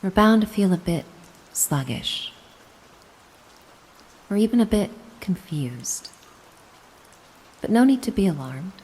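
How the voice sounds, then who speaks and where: A woman playing a gentle, doting, mysterious caretaker in a soothing hypnosis roleplay, coaxing and reassuring the listener. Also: mid-range voice, animated, takes it slowly, pauses often, slightly rough, rough recording. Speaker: hypnosis audio performer.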